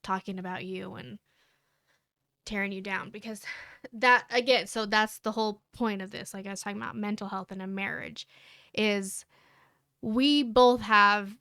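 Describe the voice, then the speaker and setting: A woman's voice: medium pitch, steady tone, normal speed, fairly bright tone, clean tone, no echo, clean studio sound. A woman co-hosting a candid couple's conversation, earnest and rambling with many fillers. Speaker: podcast co-host.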